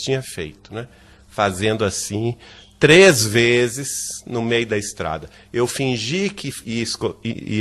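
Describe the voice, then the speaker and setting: A Brazilian man, a guest on a radio program, tells a personal story with lively energy and acts out the dialogue. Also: medium pitch.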